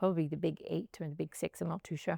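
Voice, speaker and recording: A woman with a Northern Irish accent and vocal fry talks very fast. The recording is very clean with a silent background and sounds dry and close, with no echo. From Northern Ireland, County Fermanagh. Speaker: chartered accountant. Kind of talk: interview. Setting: outdoors by a pool.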